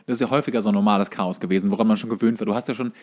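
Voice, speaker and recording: A man's voice: fairly low pitch, steady tone, very fast, a little mellow. Young man swapping casual stories. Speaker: podcast co-host. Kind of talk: casual anecdote-telling chat.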